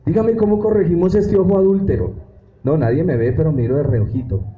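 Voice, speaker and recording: A man's voice: on the high side, a little fast, roomy sound, narrow, tinny audio, a little hiss or hum. A man teaching a Bible study like a sermon, acting out prayers and asking the congregation questions. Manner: preachy, acts out quoted prayers and asks the congregation questions.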